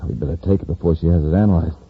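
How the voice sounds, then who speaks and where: A man's voice: low-pitched, steady tone, rapid-fire, breathy edge, no room sound. A man playing a blunt, ruthless criminal henchman in an old radio drama. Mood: conspiring. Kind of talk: 1950s radio drama acting. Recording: dull lo-fi old radio recording.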